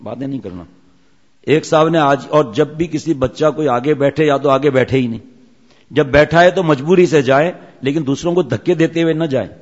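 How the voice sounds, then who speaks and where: A middle-aged man preaches, telling stories and breaking off to joke with his listeners. His voice sits a little high. The recording is muffled and carries a long reverb from a large hall. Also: darkish tone. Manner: storytelling, jokey asides to listeners. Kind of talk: Islamic sermon with anecdotes.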